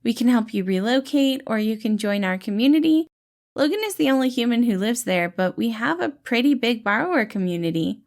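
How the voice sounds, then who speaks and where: A woman's voice: on the high side, expressive, fairly quick, pitched above the performer's own voice. A woman voicing a tiny, kindly, cheerful male healer who talks in an eager, reassuring, fatherly way for a storybook. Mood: upbeat, explaining. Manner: eager, reassuring, gentle, calls people kiddo.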